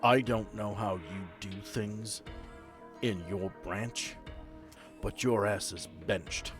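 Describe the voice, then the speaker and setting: A man playing a stern, angry agent commanding in a crisis, with a slow, clipped, authoritative delivery. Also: on the low side, music in the background, voice pushed down. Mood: bristling anger.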